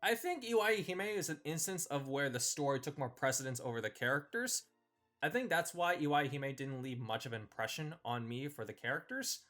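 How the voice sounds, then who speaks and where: Casual reviewer with very lively pitch. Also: brisk, faint music behind. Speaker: video host ranking visual novel characters. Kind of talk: casual opinionated review commentary.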